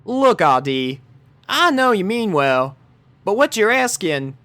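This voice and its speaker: A man's voice: high-pitched, very animated, takes it slowly, a bit bright, no room sound, voice pushed up, exaggerated voice. A man voicing a kindly, motherly country farm pony mare with a folksy Southern drawl. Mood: hesitant. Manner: folksy, drawling, coos baby talk.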